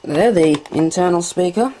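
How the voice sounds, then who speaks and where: A woman with a lowish, mellow voice talks calmly through each step as she handles an old machine indoors. Her tone is relaxed and explanatory, and a faint hum sits underneath. It sounds like a casual home demo. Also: moderate pace, rough recording. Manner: calm step-by-step explaining while handling equipment. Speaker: hobbyist vlogger. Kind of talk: casual demonstration narration.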